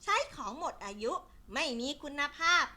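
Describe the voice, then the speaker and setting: A woman's voice: moderate pace, sharp tone. A woman voicing a hardworking little ant who lectures in a stern way, in a children's storybook. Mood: scolding. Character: diligent scolding little ant.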